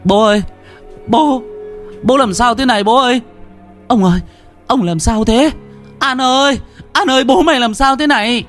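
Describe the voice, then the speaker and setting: Brief: male narrator doing a shrill, panicked young wife crying for help, storybook horror. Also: normal speed, pauses often, a bit bright, soft background music. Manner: frantic wailing. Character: panicked young woman, daughter-in-law.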